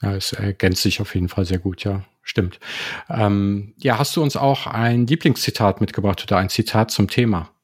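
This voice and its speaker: A man's voice: lowish voice, steady tone, moderate pace, slightly rough. A man hosting a podcast, introducing his guest and asking questions in a friendly, slightly hesitant way. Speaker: podcast host. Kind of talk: interview hosting.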